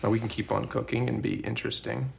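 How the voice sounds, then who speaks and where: A noisy film-drama clip of an intense, driven chef. He speaks urgently and fast, in a heavily gravelly voice. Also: medium pitch, flat delivery.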